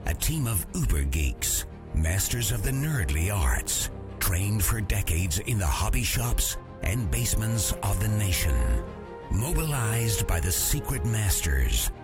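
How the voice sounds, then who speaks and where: A man narrates a mock-heroic podcast opening in a booming announcer manner. His voice sits very low and rolls slowly through a wide, swooping pitch range. Loud music plays underneath him. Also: very animated. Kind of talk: dramatic announcer intro.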